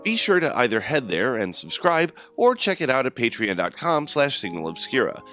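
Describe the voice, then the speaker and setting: A man's voice: mid-range voice, very animated, moderate pace, pushed and bright, faint music behind. A man who creates and narrates a podcast, reading from a script in a polished, prepared style. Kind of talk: scripted announcement and story narration.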